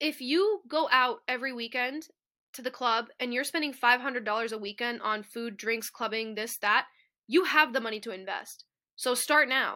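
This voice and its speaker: A woman's high, bright, sharp voice with an American accent, at a moderate pace with ordinary pitch variation and big swings in loudness, in a very clean recording with a silent background. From US Northeast, Boston. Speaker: real estate investor and entrepreneur. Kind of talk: interview conversation.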